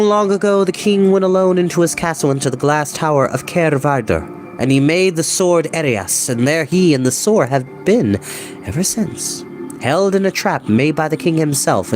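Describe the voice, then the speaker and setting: Grave, sorrowful guide of an enchanted realm, acted by a male reader; measured, portentous, slightly high voice over music. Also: big pitch swings, darkish tone. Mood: solemn. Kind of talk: fantasy storybook reading.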